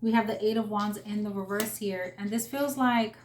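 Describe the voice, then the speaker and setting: A woman's voice: medium pitch, moderate pace, echoey room, slight background noise. A young adult woman giving a casual spoken tarot reading, earnest and emotional, with many fillers and restarts. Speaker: tarot reader.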